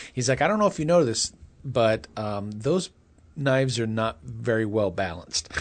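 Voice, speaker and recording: This is a man with a normal speaking voice at medium pitch. He moves at a moderate pace with lively intonation. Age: 40s. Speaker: podcast co-host. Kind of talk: casual chat.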